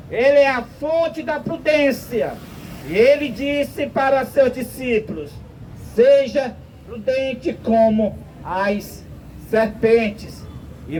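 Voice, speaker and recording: A man from Brazil preaching a slow, emphatic street sermon outdoors, quoting scripture at length. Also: very high voice, a little mellow, a little hiss or hum, poor audio.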